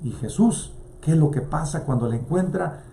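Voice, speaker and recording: A man's voice: a little high, animated, normal speed, vocal fry, dark tone, slight background noise. A male priest preaching a sermon with passion, his voice rising and dropping as he quotes scripture. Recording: echoey room.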